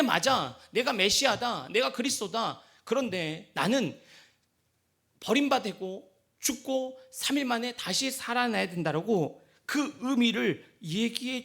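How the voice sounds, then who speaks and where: A man pastor preaching a sermon, acting out the disciples' and Jesus' words as lively dialogue. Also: sits high, gravelly.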